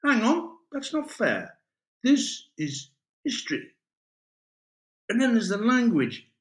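A man doing a drunk, excitable young romantic. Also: very high-pitched, slow, reverberant, pitched above the performer's own voice, exaggerated voice, low-quality recording. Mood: eager. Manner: drunken, exclaiming, gasping.

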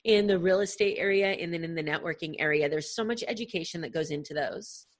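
A woman's voice: fairly low pitch, fast talker. Woman, podcast host, upbeat, encouraging, interviewing a guest.

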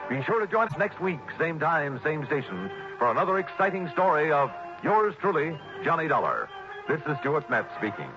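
A male radio announcer reading an advert and credits in smooth 1960s announcer style. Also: a little high, normal speed. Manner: smooth, animated announcer delivery. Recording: dull old radio recording with music.

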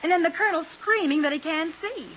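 An actress playing a spirited, plucky secretary to a detective in a 1940s radio crime drama. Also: female voice, extremely high pitch, fast, fairly bright tone. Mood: excited. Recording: muffled, hissy old radio recording.

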